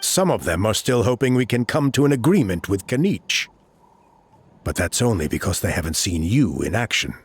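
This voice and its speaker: An earnest tribal elder in a video game. His voice sits low but moves with a lively rise and fall. He talks in a measured, sincere way. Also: a little hiss or hum. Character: earnest male tribal elder recruiting a hero. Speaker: village elder.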